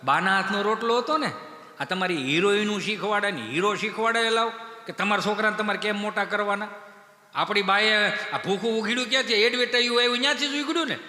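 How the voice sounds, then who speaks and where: On a live stage, a comedian with a Kathiawadi Gujarati accent performs folk comedy storytelling, bantering in rustic dialect as an animated storyteller. He speaks a little fast in a high-pitched voice, heard through a live stage PA in an echoey hall.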